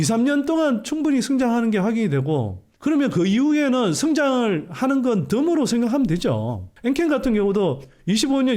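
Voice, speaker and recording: A man's voice: high-pitched, a little mellow. A male economics channel host giving investment commentary from a live stream, explaining and answering his own rhetorical questions with emphatic repetition. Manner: emphatic, leans on repeated phrases.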